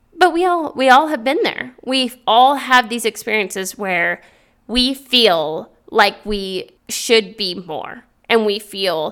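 A woman speaks at a very slow pace with lively intonation. The recording is very clean, with a silent background. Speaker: podcast host. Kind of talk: solo podcast talk. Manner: loud; warm, encouraging.

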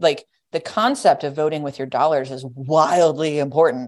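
A woman talks at a moderate pace in an American accent. Her pitch is very deep and low. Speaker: gravel cycling founder, activist. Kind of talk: casual conversation interview. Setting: remote recording, video/online call.

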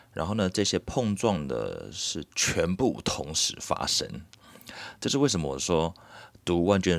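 His voice has vocal fry. The man's intonation is lively. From Taiwan. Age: 30s. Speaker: podcast host, entrepreneur. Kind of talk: solo podcast monologue.

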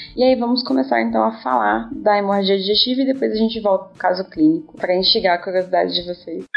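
A medium-pitched woman barely pausing, with very wide pitch swings and big shifts in loudness over noticeable background noise. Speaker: emergency physician, podcast co-host. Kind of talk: medical case discussion. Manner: calm, slow and soothing.

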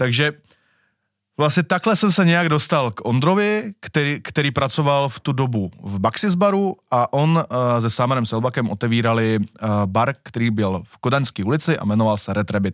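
A man with a Slovak accent at a medium pitch and moderate pace, with very wide pitch swings. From Slovakia, Košice. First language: Slovak (speaking Czech). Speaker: bartender and bar catering owner. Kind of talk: casual interview.

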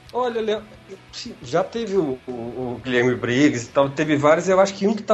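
Music runs underneath as a man's pitch rises and falls across a very wide range. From Goiânia, Brazil. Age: 30s. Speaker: accountant. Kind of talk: casual chat. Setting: call-in from phone app.

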